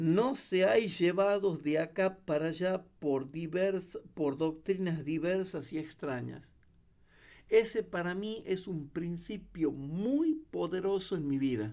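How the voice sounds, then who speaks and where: A man speaks at a very slow pace, his pitch high for a man. His tone is dark and mellow, with ordinary pitch variation. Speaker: bible teacher. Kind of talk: religious class lecture.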